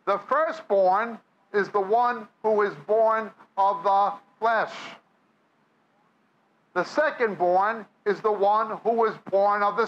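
A man's voice: extremely high pitch, a bit bright, dull audio. A man with a New York accent preaching a sermon, reading scripture aloud and then explaining it to a live audience. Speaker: Bible teacher. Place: church or meeting hall with audience.

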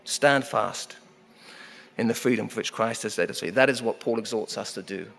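A middle-aged man preaching a sermon from a pulpit, emphatic, repeating key phrases and slowing down to press a point. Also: fairly low pitch, vocal fry, fairly bright tone. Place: church sanctuary at a wooden pulpit. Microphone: pulpit microphone. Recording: long hall reverb of a church.

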